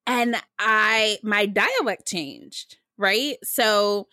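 A woman's voice: mid-range voice, extremely slow, pushed and bright, dry recording, studio quality. An American woman from Michigan with a valley girl way of talking, hosting a podcast in a conversational style. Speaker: podcast host. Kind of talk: conversational interview talk.

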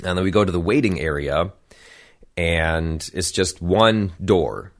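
A man's voice: low voice, unhurried. An American man, a podcast guest, telling stories casually with profanity and mimicked voices. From United States. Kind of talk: casual storytelling.

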